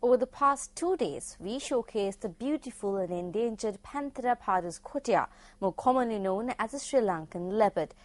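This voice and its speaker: A woman's voice: medium pitch, lively intonation, moderate pace. A woman presenting a scripted introduction as a television news anchor.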